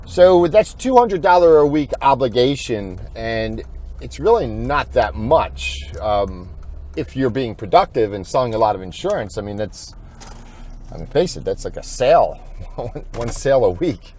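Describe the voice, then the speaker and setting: A man's voice: medium pitch, big pitch swings, darkish tone. Rambling man giving informal corporate training. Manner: rambling, thinking aloud, halting. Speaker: insurance agent giving training.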